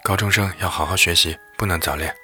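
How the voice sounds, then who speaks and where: A man playing a calm, strict young man. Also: deep voice, faint music behind. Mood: stern. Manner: slow, measured, soft.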